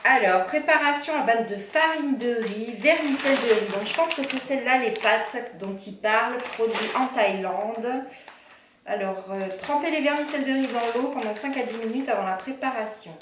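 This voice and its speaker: A woman's voice: fairly high pitch, moderate pace. A woman vlogger chatting casually through a food box unboxing, reading ingredient lists aloud with fillers and self-corrections. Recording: echoey room, faint background noise.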